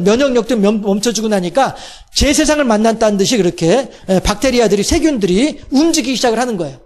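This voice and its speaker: High-voiced male pastor preaching. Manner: rhetorical questions, voices God's quoted words softly and slowly. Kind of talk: sermon.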